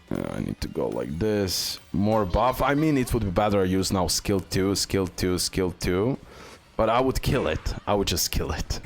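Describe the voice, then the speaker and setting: Low-voiced man commentating gameplay. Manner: repeats words and phrases. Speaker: gaming video creator.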